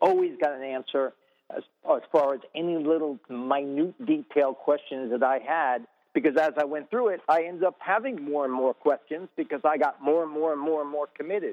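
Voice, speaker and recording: A man speaks fairly quickly in a normal speaking voice. His pitch is fairly high, with ordinary variation. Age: 60s. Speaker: weight-loss program client. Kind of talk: radio interview testimony.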